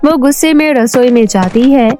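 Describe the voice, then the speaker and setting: Female narrator for cartoon moral story, high pitch, soft music under. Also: normal speed. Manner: steady storytelling.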